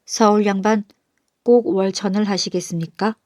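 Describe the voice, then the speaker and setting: A woman voicing a humble old male minister in a storybook folktale, calm and plain-spoken, stern when he scolds. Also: medium pitch, moderate pace, no room sound, clean studio sound, natural voice.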